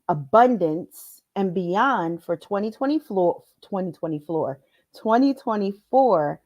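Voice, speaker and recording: A woman's voice: mid-range voice, a little mellow. Upbeat woman life coach, middle-aged, streaming live, voice a bit heavy from allergies. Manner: upbeat, addresses viewers directly. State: congested from allergies.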